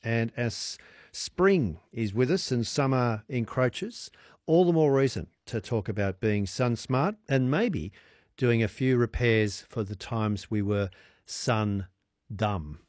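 A man's voice: medium pitch, expressive, slow, a little mellow, no room sound. Older Australian male talkback host, upbeat and talkative, dry close mic. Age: 60s. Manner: chatty, enthusiastic, wordplay. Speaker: radio host. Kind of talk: evening talkback radio.

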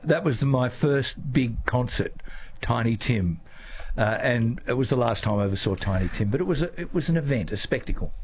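A man's voice: medium pitch, animated, moderate pace, darkish tone, a little hiss or hum. A man who co-hosts on the radio, chatty and reminiscing. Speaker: radio co-host. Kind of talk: casual radio chat.

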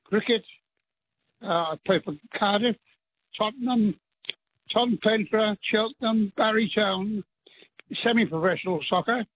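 A man's voice: sits high, a little slow, pauses often, no room sound. An older man from Wales calling in to a radio talk show, chatting proudly and a little ramblingly. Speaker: caller. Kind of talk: casual chat. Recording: tinny phone line.

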